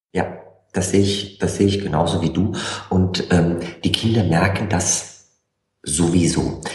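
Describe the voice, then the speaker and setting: A man with a very deep, low pitch speaks fairly slowly in a flat monotone at very even loudness, leaving long, frequent pauses amid audible room echo. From Germany, Koblenz. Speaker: coach and entrepreneur. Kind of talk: casual chat.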